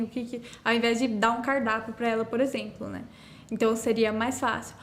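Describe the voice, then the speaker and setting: A woman, a sign language teacher and podcast guest, explaining things with everyday examples and a frequent "né?". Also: on the high side. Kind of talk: casual podcast conversation.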